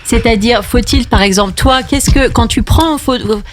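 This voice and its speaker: A woman's voice: on the high side, normal speed, soft background music. A woman hosting a conversational cultural radio interview, feeling her way through rephrasings as she speaks. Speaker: radio host.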